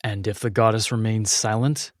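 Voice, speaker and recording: A man's voice: lowish voice, level tone, normal speed, no echo, lightly acted. Man acting a stern, protective fantasy guardian. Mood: suspicious, stern. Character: stern, protective male royal guardian, earnest and dutiful. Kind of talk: dramatic fantasy audio drama acting.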